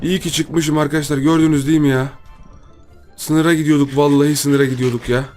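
A young man giving casual commentary on his own gameplay, talking to himself and his viewers and repeating words in quick bursts when excited. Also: fairly high pitch, soft background music. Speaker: gaming YouTuber.

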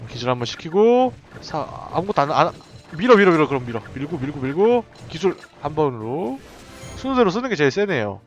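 Guy streaming a defense game, chatty and excited, pitch jumps all over, music underneath. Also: a little fast, dull audio. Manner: excited running commentary with frequent laughs. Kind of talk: live gameplay commentary.

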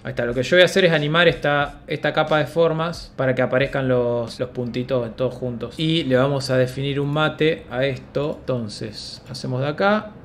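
A young man with an Argentine accent talking through an animation tutorial in a casual, slangy, think-aloud way. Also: medium pitch. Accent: Argentine Spanish. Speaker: video editing tutor. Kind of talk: screen-recorded software tutorial.

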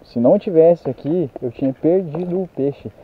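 Brazilian guy, young, high-ish voice, breathless, excitable fishing vlogger; dull camera-mic audio outdoors. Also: moderate pace, slight background noise. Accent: Brazilian Portuguese. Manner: excitable, exclaiming, talking to viewers. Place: outdoors on a riverbank. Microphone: handheld camera mic.

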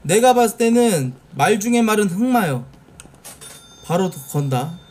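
A man in his thirties live-streaming a game from a small room, talking casually, swearing a lot and yelling at slot machine wins. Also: high-pitched, unhurried. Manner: swearing, excitable, shouts at wins. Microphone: desk mic in gaming chair, webcam framing.

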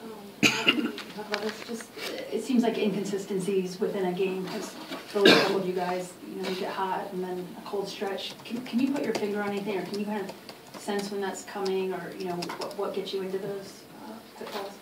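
A woman's voice: mid-range voice, fairly even intonation, a little fast. A woman reporter asking a rambling, searching question at a press conference. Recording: echoey room, distant mic, loud noise.

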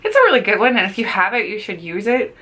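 A woman's voice: mid-range voice, huge pitch swings, fast, fairly bright tone, husky. A woman in her thirties chatting casually while doing her makeup at a desk in a small room, repeating words for emphasis and saying she feels she is losing her voice. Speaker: beauty vlogger. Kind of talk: casual get-ready-with-me chat. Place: small bedroom makeup setup, indoors.

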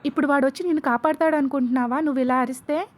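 A woman's voice: high voice, fairly even intonation, fairly quick, lightly acted. Woman voicing an obsessive ranting young kidnapper man. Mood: raging. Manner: shouting, ranting, unhinged.

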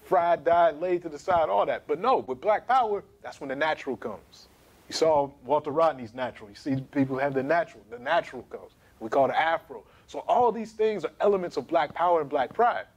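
A man in his thirties giving an emphatic, animated history lecture to camera in a small studio. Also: a little high, brisk, lo-fi sound. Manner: animated, emphatic, gesturing while pacing.

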